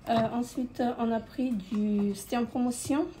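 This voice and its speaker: A woman's voice: fairly high pitch, fairly even intonation, measured pace. A woman vlogger casually showing her holiday purchases indoors, hesitating often with filler sounds. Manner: hesitant, many filler sounds, repeats "comme ceci". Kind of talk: casual holiday haul vlog. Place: indoors at a holiday rental near the beach. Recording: crinkling packaging noise close by.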